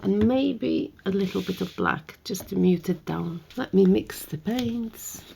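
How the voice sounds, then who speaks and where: Croaky gravelly woman teaching painting. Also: medium pitch, measured pace, slight background noise. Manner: chatty, thinks aloud while painting, soft asides. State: slightly hoarse, croaky voice. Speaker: art tutorial host. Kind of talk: casual painting tutorial narration.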